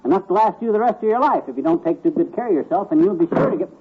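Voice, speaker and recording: A blustery, self-assured husband in a 1940s radio sitcom. He talks fast in a slightly high voice, and the sound is dull like an old transcription. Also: expressive, slightly rough. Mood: stubborn. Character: boastful, stubborn middle-aged husband.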